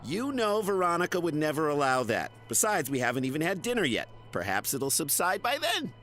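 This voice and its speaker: A man's voice: on the high side, wildly swooping pitch, a little fast, fairly bright tone, faint music behind. A man playing a fussy, aggrieved wealthy husband in an audio drama, whiny and indignant. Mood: matter-of-fact.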